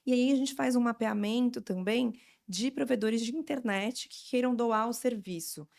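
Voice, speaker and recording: A woman's voice: fairly high pitch, normal speed, creaky, darkish tone. A woman in her forties with a Brazilian Portuguese accent, explaining things informally as an interview guest. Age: 40s. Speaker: interview guest, education NGO representative.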